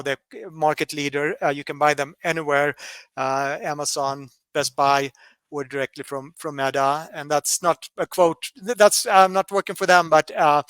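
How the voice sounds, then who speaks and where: A man from Colorado presenting a workshop webinar, halting with many fillers and restarts. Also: fairly high pitch, a bit bright, clean tone, no room sound.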